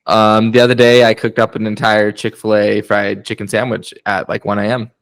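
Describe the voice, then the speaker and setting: Low-voiced, gravelly young man chatting. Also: flat delivery, normal speed, no room sound. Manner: chatty storyteller, laughs often. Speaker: podcast guest, husband. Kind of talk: casual chat.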